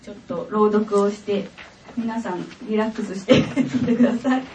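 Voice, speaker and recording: A woman's voice: mid-range voice, normal speed, mellow, a little hiss or hum. Woman author, distant roomy hall sound. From Taiwan. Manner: laughs often while talking. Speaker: author at a book event. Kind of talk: public dialogue and reading aloud. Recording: distant, roomy, dull event audio.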